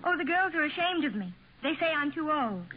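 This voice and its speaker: A woman's voice: sits high, very animated, fairly quick. A woman playing a flustered, fretful housewife in a 1940s radio comedy. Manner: fretful, plaintive. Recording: hissy lo-fi old radio broadcast.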